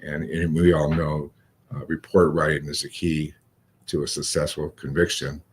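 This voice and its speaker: A male police chief talks in a radio interview with an extremely low, husky voice. He speaks haltingly and repeats short phrases for emphasis. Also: flat delivery.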